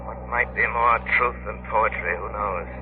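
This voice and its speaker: An actor playing a calm, commanding crime-fighting detective in a 1930s radio drama. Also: male voice, fairly low pitch, natural voice. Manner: authoritative, measured. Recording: hissy muffled 1930s radio broadcast.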